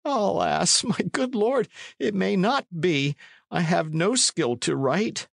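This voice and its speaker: Storybook role: cringing old male peasant, played by a man, high, wavering pitch, servile, pleading. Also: expressive, slow pace, vocal fry, a bit bright, no room sound, clean studio sound, full character voice. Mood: distressed, protesting.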